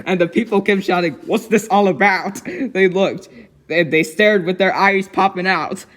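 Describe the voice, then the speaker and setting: A man voicing a cheerful young girl who reads a storybook aloud in an expressive, giggly way. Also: high voice, moderate pace. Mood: animated storytelling. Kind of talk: dramatic storybook reading with giggly asides.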